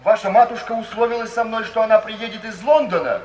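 An actor playing a gentle, flustered middle-aged artist in a 1950s radio play, hesitant and effusively polite. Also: male voice, high-pitched, fairly even intonation, brisk, a little hiss or hum, natural voice. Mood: timid, apologetic. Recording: distant, echoey hall, old 1950s radio recording.

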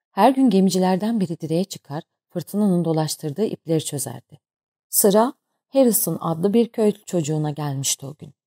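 Audiobook narrator, woman, steady and measured, mellow warm tone. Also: lowish voice, no echo, studio quality. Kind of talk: scripted narration.

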